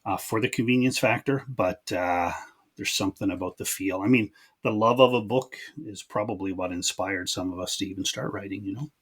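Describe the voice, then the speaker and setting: Husky-voiced male podcast host. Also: lowish voice, fairly quick. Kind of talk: casual interview chat.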